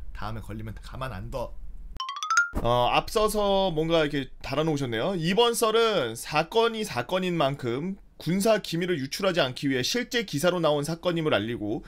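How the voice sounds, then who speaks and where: A man in his thirties, a streamer telling stories casually, swearing and acting out scenes with sound effects. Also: high voice. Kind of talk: casual storytelling and reading viewer stories.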